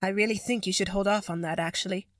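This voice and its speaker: A woman's voice: medium pitch, steady tone, quick pace, no room sound, clean studio sound, natural voice. Woman voicing an earnest, concerned young boy. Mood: earnest, cautioning. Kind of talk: audio drama acting.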